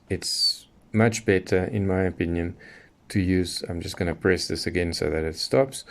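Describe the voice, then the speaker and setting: A man's voice: low-pitched, vocal fry. A middle-aged man giving an unscripted, methodical hands-on product demonstration, explaining each step as he goes. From Southern Africa. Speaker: shortwave radio hobbyist presenting a tutorial.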